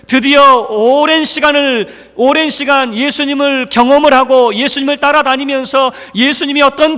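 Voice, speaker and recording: A man preaching a sermon with a high, bright, sharp-edged voice. He plays out the lines of the people in his story with shifting voices. A long hall reverb hangs behind every word, as in a large church sanctuary. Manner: acts out dialogue of biblical figures in changing voices. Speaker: pastor.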